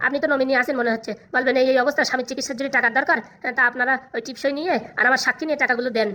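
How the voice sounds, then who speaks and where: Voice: sits high, fairly even intonation, rapid-fire, sharp tone. A performer voicing a crafty, fawning lawyer in a comedy cartoon, obsequious and reassuring. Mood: scheming. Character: fawning, crafty lawyer advising his madam.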